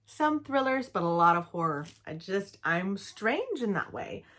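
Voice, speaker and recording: A young woman from Canada talks through her reading list in a relaxed, slow-paced ramble. She fills gaps with little fillers and stops to fix her own slips. Her voice sits at a middling pitch for a woman. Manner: chatty, rambling, with fillers and self-corrections. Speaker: book vlogger. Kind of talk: casual book chat to camera.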